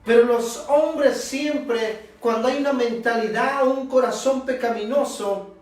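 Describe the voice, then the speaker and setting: Pastor, male, high-pitched and unhurried, emphatic sermon with long pauses, recorded far off in a very roomy church over soft music. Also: fairly even intonation. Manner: emphatic preaching with drawn-out pauses. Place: church sanctuary. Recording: echoey church, distant mic, soft instrumental music.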